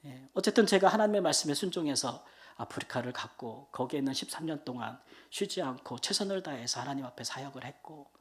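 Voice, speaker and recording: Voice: medium pitch, animated, fast. Emotional missionary speaker in their 50s. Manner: emotional, colloquial, repeats fillers, swings loud and soft. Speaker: missionary giving testimony. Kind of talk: emotional church testimony. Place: church prayer meeting.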